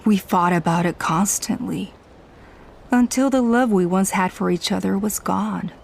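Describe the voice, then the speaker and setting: An actress playing a proud, scheming middle-aged tribal elder and mother who speaks in a calm, commanding, persuasive way in a video game. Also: medium pitch, measured pace, gravelly, a little hiss or hum. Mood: sorrowful. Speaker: tribe elder.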